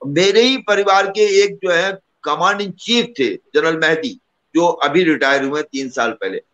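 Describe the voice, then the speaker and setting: A middle-aged man speaking as a panelist in a debate, talking quickly and piling up one example after another. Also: on the high side, bright, forceful tone. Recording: muffled lo-fi audio.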